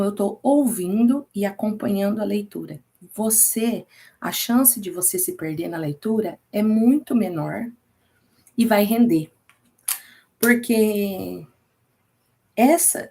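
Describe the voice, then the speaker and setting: A Brazilian woman leads a relaxed Bible study lesson in a mellow, warm-toned voice. She talks in a chatty way and keeps checking in with her listeners as she goes. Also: mid-range voice. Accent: Brazilian Portuguese. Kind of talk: casual recorded class.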